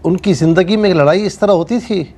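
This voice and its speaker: High-voiced man asking brisk questions. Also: a little mellow. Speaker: religious scholar interpreting dreams. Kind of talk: questioning callers on a call-in show.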